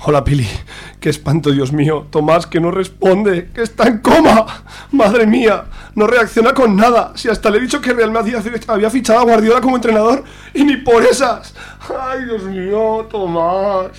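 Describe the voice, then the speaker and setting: A man's voice: sits high, moderate pace, lightly acted. A man with an accent from Spain playing a prim, judgmental, melodramatic Catholic in an amateur radio soap. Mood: panicked, distraught.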